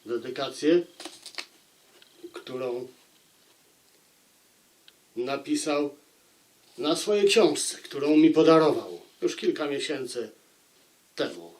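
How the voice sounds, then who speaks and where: A man talks to his viewers about a book in the manner of a storyteller. His delivery is unhurried, with deliberate pauses between phrases. The intonation swings widely, keeping the narration lively. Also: fairly high pitch. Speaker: book reviewer and audiobook narrator. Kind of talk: book review, addressing viewers.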